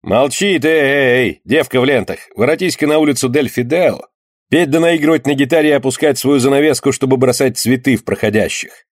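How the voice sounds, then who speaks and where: A man's voice: medium pitch, a little fast, no echo, clean studio sound, pitched above the performer's own voice, natural voice. A man voicing a swaggering male street tough who teases in a brash, mocking way. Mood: teasing.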